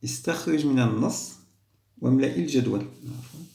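A man teaching a primary school Arabic lesson, patiently repeating words slowly for young pupils. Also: mid-range voice, vocal fry, mellow, reverberant. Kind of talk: explaining a second-grade Arabic test.

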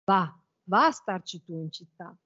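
A woman's voice: lowish voice, animated, unhurried, sharp tone, exaggerated voice. A woman voicing a sorrowful, stubborn old fisherman grandfather, in a dull lo-fi recording.

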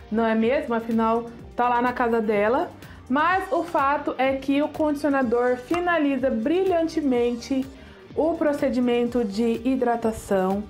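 A chatty woman in her thirties from Brazil, reviewing hair products to camera with a high, bright voice. She talks with easy enthusiasm and pokes fun at herself, recorded on a lapel mic in a small home studio. Soft music plays faintly underneath.

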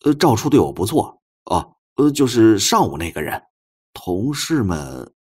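A young rookie policeman, acted by a male narrator, sounds timid and awkward. His low, husky voice hesitates and stammers through simple answers in an audiobook story. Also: big pitch swings, a little slow, a little mellow, full character voice. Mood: nervous.

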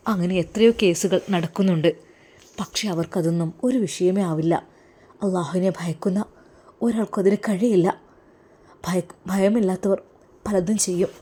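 Woman doing a soft-spoken arab man, devout and tender, hushed pleading talk. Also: fairly low pitch, husky.

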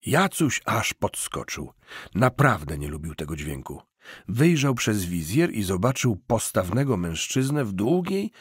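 A man's voice: fairly low pitch, slightly rough, no echo. A man narrating an audiobook in a wry comic storytelling manner, recorded close on a studio mic.

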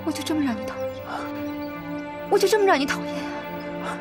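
A woman's voice: high-pitched, expressive, fairly quick, over loud music. An actress playing a headstrong, lovesick young lady of a rich family in a period TV drama, tearful and demanding. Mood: pleading. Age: young adult. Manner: tearful and demanding, pleading then scolding.

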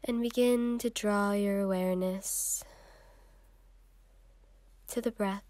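A woman leading a guided meditation in a soft, soothing, unhurried way with long pauses, breathy at times. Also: medium pitch, fairly even intonation, dry recording.

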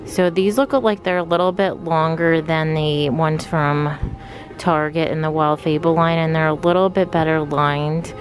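Filming with a handheld phone as she shops in a clothing store, a young woman who vlogs about fashion narrates casually, full of "like" fillers. She has a deep voice with fairly even intonation at normal speed, and background music plays over her voice.

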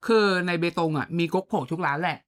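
A woman's voice: on the low side, fairly even intonation, brisk. A woman co-hosting a podcast, chatting casually with blunt, slangy banter and playful comparisons. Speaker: podcast co-host. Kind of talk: casual chat.

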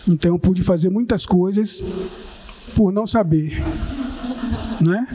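A man's voice: sits high, measured pace, crowd noise. A man in his forties with a Bahian Portuguese accent, speaking earnestly and informally as a seated panelist, often adding a questioning tag. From Bahia, Brazil. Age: 40s. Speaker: panelist, social assistance coordinator. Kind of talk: panel talk, personal account. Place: indoor studio panel, seated among guests.

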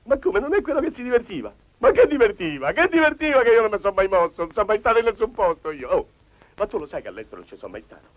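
An actor playing a fussy, self-pitying middle-aged bachelor who frets and wails to himself in a 1950s film comedy. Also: male voice, high-pitched, big pitch swings, quick pace. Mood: daydreaming. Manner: whiny, fretful muttering to himself, swings to wailing complaints. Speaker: film character. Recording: dull old film soundtrack with faint hiss and music.

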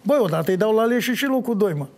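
An older man answering interview questions in an animated way, breaking into sung folk lines as he talks. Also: high-pitched. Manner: animated, sings folk lines mid-talk. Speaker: folk singer.

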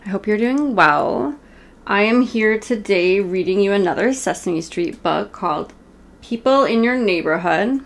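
A woman's voice: medium pitch, lively intonation, unhurried. A woman in her thirties reading a picture book aloud to children, informally and speaking straight to her young listeners. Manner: informal, self-interrupting, speaks directly to young viewers. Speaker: children's story reader. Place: small room at home, indoors.

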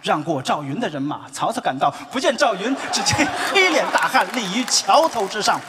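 Man in his seventies, stage comedian, high voice, rhythmic declaiming recitation, live theater hall, loud audience. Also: big pitch swings, a little fast, a loud crowd, very noisy. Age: 70s. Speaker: crosstalk comedian.

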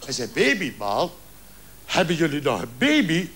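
Brief: male joke teller, high-pitched, acts out every character in his stories. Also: normal speed, a little hiss or hum. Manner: lively storyteller acting out dialogue. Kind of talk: stand-up joke telling.

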